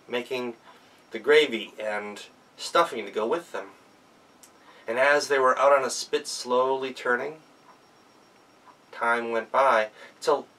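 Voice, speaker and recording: A man telling a folktale as a storyteller, expressive and with dramatic emphasis. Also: medium pitch, far from the mic, poor audio. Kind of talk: live oral folktale narration.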